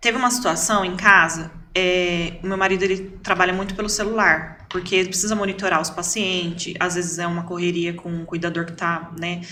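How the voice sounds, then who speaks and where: A middle-aged woman, a podcast guest, telling a family story in a lively way and repeating words for emphasis. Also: lowish voice, fairly quick, few pauses, slight background noise. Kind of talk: casual storytelling.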